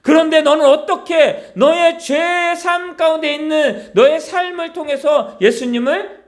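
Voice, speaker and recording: A man's voice: very high-pitched, measured pace, voice pushed up. A man preaching who voices a repentant male thief on a cross, scolding his fellow thief in an insistent, raised voice. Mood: rebuking.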